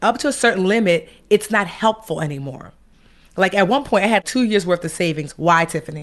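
Against a quiet background, a woman with an unremarkable speaking voice talks at a moderate pace with lively intonation. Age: 40s. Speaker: financial educator. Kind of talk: interview.

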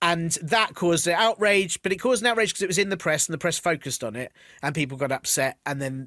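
With a British accent, a man talks at a very fast pace with lively intonation in a very clean recording with a silent background and a dry, close sound with no echo. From United Kingdom. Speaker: comedian and podcast host. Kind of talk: casual interview.

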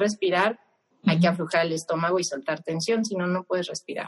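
A woman speaks with a Mexican accent at a fairly low pitch. Her intonation stays fairly even, and her pace is fairly quick. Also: dry, close sound with no echo. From Mexico. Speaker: psychologist. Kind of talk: interview.

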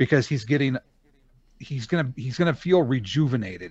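Loud and medium in pitch, a man's voice swings very widely up and down. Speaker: sports commentator. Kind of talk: casual sports chat.

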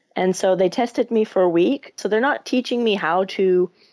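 Recorded dry and close with no echo, a woman with an American accent speaks with ordinary pitch variation. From California. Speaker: horsewoman and show jumping coach. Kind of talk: casual interview chat. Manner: animated, laughs often.

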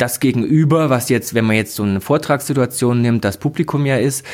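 His pitch varies in an ordinary way. The man talks at a moderate speed. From eastern Germany, Leipzig. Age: 40s. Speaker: actor and performance coach. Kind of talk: casual chat. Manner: halting.

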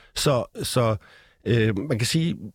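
A man with a medium pitch sounds somewhat breathy. The recording is very clean with a silent background, dry and close with no echo. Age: 60s. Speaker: professor. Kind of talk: interview. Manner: halting.

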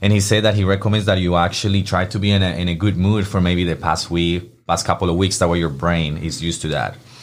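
A man's very deep, low voice with a Spanish accent, very fast delivery, fairly even intonation and hardly any pauses. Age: 20s. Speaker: podcast guest. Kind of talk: casual chat.

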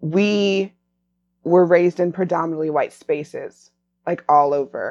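With a plain, everyday voice, a woman talks at a fairly slow pace and a fairly low pitch. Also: fairly even intonation. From US South. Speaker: anti-racism educator and community organizer. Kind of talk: casual interview.

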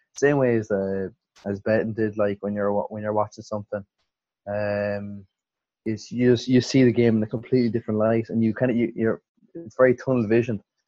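Here a man speaks with an Irish accent at a fairly quick pace. His fairly low voice has a dark, mellow tone and fairly even intonation. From Ireland. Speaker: football index trader. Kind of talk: casual chat.

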